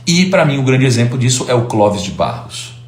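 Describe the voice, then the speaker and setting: Man in his thirties, live informal lecture, chatty, lively up-and-down pitch, roomy echo. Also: fairly quick. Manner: chatty, peppers talk with tag questions. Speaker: host and teacher.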